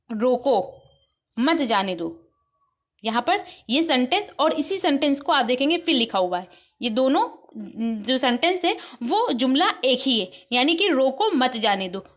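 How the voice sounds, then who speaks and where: Indian woman teacher, high voice, patient step-by-step explainer for an online lesson. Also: a bit bright. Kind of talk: explaining an exam paper.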